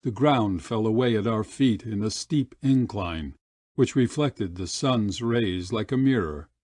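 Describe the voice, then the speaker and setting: A man narrating an audiobook short story in a measured, deliberate storytelling manner. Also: fairly low pitch, a little mellow, no echo, studio quality.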